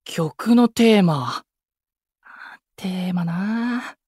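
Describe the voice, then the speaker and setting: An exuberant young male idol from an audio drama, a caring senior full of theatrical bravado. His high voice swoops widely, recorded close and dry. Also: animated, drawn-out words, a little mellow, breathy edge, no room sound, exaggerated voice. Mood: sheepish. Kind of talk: Japanese anime-style audio drama acting.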